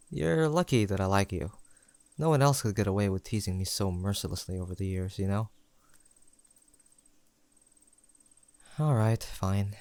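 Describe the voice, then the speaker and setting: Male actor as teasing young best friend, lowish voice, dry sound, gentle, sincere, conversational audio roleplay. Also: no echo. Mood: playful, fond. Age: young adult. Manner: gentle, playful, sincere, chatty.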